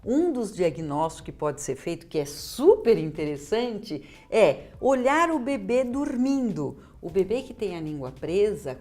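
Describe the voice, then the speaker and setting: A woman's voice: on the low side, a little mellow. A Brazilian woman in an expert conversation, explaining as a specialist, repeating points for emphasis and acting out bits of dialogue. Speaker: interviewer and speech therapy specialist.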